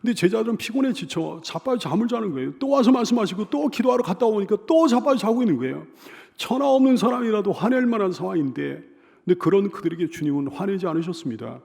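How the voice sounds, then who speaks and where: A man's voice: high voice, animated, fast talker, vocal fry, a little mellow. A male pastor delivering a Sunday sermon, emphatic and repeating his exhortations with rhetorical questions to the congregation.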